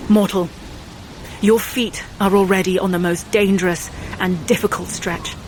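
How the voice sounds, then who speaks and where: Actress as stern warrior woman over faint rumble. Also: fairly even intonation, normal speed, close to an everyday voice. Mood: rousing, commanding. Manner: authoritative, solemn, rousing. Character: stern, commanding Asgardian warrior woman, grave and urgent. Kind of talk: audio drama acting.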